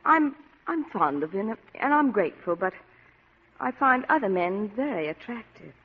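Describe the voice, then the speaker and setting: A glamorous, manipulative wife who talks silky and coy, her pitch swooping up and down. The lo-fi radio recording sounds dull, with a faint hiss behind it. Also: sing-song, moderate pace. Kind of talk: 1940s radio acting.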